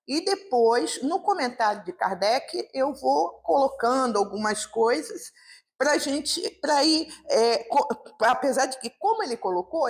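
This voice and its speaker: A woman's voice: on the high side, creaky. A woman speaker giving an informal, conversational talk on a gospel reading at a live public meeting, with many rhetorical questions. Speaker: guest speaker at a spiritist meeting.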